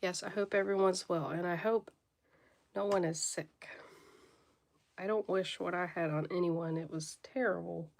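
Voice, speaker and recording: A woman with a stuffy nose from a cold hosts a live jewelry sale, greeting viewers by name and clearing her throat now and then. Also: lowish voice, steady tone, moderate pace, darkish tone. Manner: occasional coughing and throat clearing. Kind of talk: casual livestream chat.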